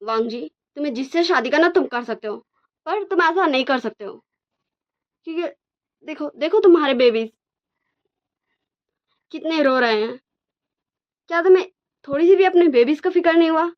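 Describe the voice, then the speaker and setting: A young father pleads on behalf of his crying babies, his voice lifted high and urgent, as a woman narrator plays him. The sound is dull and lo-fi. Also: lively intonation, moderate pace, pauses often. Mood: pleading.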